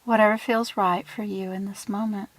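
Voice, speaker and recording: A woman leading a guided visualization in a soothing, hushed manner, with deliberate phrasing and breathy trailing ends. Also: medium pitch, fairly even intonation, dry recording. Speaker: guided meditation leader.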